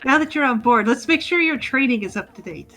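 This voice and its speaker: A woman reading the lines of a folksy male bear company boss in her own fairly high voice, giggling as she goes. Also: lively intonation, brisk, sharp tone, soft background music. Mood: folksy, salesy. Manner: friendly sales-pitch read with giggles.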